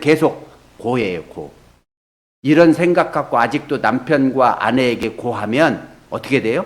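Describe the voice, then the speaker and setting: A man speaks at a moderate pace. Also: very clean recording, silent background. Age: 60s. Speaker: church elder preaching. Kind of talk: sermon.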